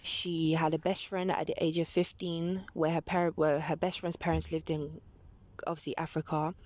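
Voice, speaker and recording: A woman's voice: sits low, level tone, moderate pace, darkish tone, no room sound. Young woman telling her story matter-of-factly. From London. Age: 20s. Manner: plain, matter-of-fact telling with restarts. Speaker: taxi rider, guest. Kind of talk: personal life story told in conversation. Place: back of a taxi. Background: child's noise and ambience.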